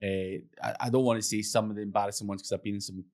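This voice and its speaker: A man's voice: lowish voice, steady tone, rapid-fire, darkish tone. A man as a podcast guest, chatting casually, self-mocking and swearing. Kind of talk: casual chat.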